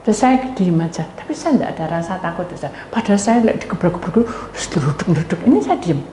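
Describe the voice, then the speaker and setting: A woman pastor with a Javanese accent, preaching a sermon as animated storytelling that addresses the congregation. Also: fairly low pitch, quick pace. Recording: echoey hall with faint noise.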